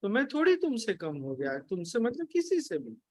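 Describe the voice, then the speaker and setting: A man leads a spiritual question-and-answer session in a firm, lecturing way and brushes objections aside. His voice sits high for a man. The sound is close and dry. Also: wildly swooping pitch, normal speed, no echo. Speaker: spiritual teacher.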